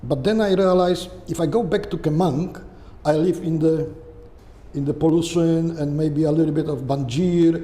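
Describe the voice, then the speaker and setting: Older Polish-accented man, mellow and halting. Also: fairly high pitch. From Poland. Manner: halting, often tagging "okay?" and "right?". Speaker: guest. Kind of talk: conversational interview answers. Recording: echoey room with long reverb and faint hiss.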